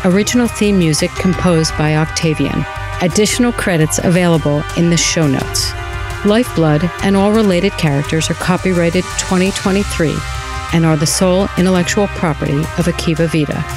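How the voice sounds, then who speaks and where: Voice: mid-range voice, a little fast. An announcer reading scripted end credits for an audio drama. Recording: music under the voice. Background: theme music.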